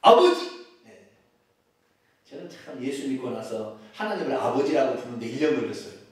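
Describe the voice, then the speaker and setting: A male pastor preaching an animated sermon, calling out loudly and leading the congregation to repeat after him. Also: medium pitch, a little fast. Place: church sanctuary. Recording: echoey church hall from far off.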